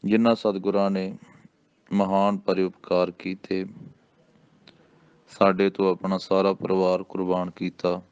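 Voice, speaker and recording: A man from Punjab with a Punjabi accent, teaching correct recitation of scripture and drawing out each recited word slowly and calmly. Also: low-pitched, clean tone, no echo, lo-fi sound. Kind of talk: slow recitation with pronunciation instruction.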